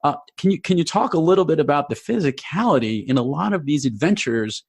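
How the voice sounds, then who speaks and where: A man's voice: fairly high pitch, animated, brisk, creaky, breathy edge. A man hosting a podcast interview, asking questions in a casual way and restarting his phrases often. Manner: casual, restarts and repeats words. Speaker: podcast host.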